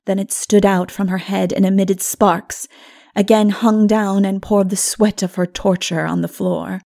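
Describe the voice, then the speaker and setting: Female narrator, slow delivery, mid pitch, solemn, measured, dramatic dark fantasy audiobook reading. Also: fairly even intonation, vocal fry. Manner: solemn, measured, hushed at times.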